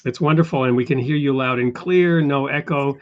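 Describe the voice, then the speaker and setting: Male talk show host, lo-fi sound. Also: medium pitch. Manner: measured, conversational, a few fillers. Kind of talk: hosting an interview talk show. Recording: dull lo-fi sound.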